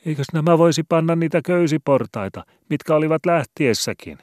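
A man voicing a panicky, timid male village cantor who shouts high-pitched, frightened pleas in a storybook reading. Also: animated, no echo, clean studio sound, lightly acted.

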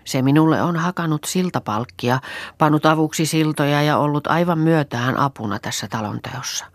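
A woman's voice: low voice, dry recording. Woman reading a weary plain-spoken country woman. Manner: rambling, matter-of-fact storytelling. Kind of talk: audiobook reading.

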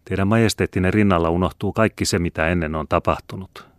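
A man's voice: sits low, steady tone, no echo, studio quality, lightly acted. A man reading the part of a young captive noblewoman, respectful and anguished. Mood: dutiful. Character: young noblewoman prisoner, torn and tearful.

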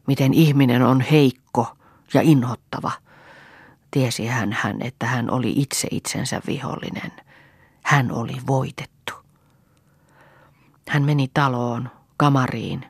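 A woman reading a novel aloud in calm, measured narration, often dropping to a soft, hushed voice. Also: extremely low pitch, husky, dry recording, clean studio sound. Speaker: audiobook reader. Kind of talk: scripted literary narration.

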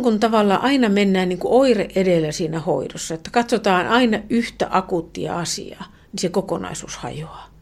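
A woman professor speaking as an expert guest on the radio, her voice a little low. She explains earnestly, restarting often and letting her sentences trail off softly. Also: vocal fry. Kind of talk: radio interview.

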